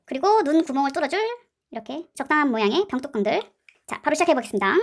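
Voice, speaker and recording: Bubbly high-pitched woman crafter. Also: a bit bright. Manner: playful, chatty, with cute sound words. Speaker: slime and clay craft channel host. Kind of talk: casual craft tutorial narration.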